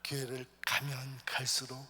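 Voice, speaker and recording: A man preaching a personal testimony in church, swinging from loud, stirring lines to hushed whispers. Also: mid-range voice, monotone, a little slow, breathy edge. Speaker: missionary preacher. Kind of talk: sermon testimony. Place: church sanctuary. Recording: long church hall reverb.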